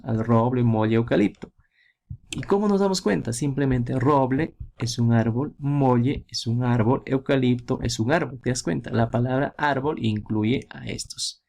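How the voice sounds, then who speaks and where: A man's voice: medium pitch, gravelly, darkish tone. A man teaching a grammar lesson, explaining with examples and asking checking questions.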